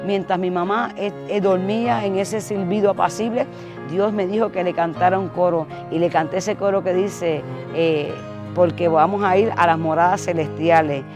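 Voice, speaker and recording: A woman preacher telling an emotional testimony in a fervent sermon style, often calling her listener brother. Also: on the low side.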